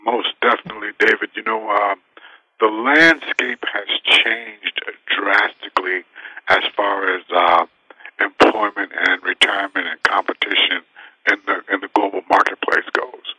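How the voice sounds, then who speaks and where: Male guest advisor, emphatic, sharp tense tone, dry sound. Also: fairly low pitch, fairly even intonation, unhurried, breathy edge, no room sound, poor audio. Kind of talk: interview answers.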